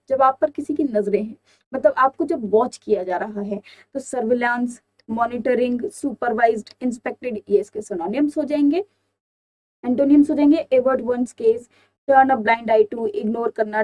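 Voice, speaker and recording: A woman's voice: fairly high pitch, mellow. A young woman with an Indian accent teaching an exam-prep vocabulary lesson, explaining each word and asking her students rhetorical questions. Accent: Indian English.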